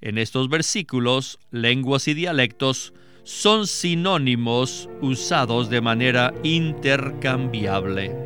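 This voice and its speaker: A man giving a scripted Bible exposition as a teacher, reading in a measured, emphatic way. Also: medium pitch, animated, sharp tone, faint music behind.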